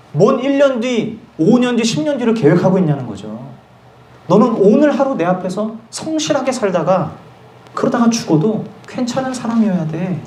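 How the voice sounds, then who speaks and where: A young man preaching with animated, storytelling delivery, his pitch rising and falling widely. The sermon rings through an echoey church room with faint background noise. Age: young adult. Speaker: pastor. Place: small church hall.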